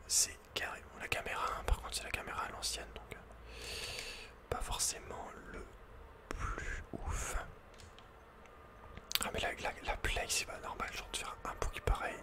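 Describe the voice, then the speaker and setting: A man speaks entirely in a breathy, unvoiced whisper. He comments on his video game casually and with slang, often muttering to himself. The delivery is ASMR, spoken close to the microphone. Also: measured pace, long pauses.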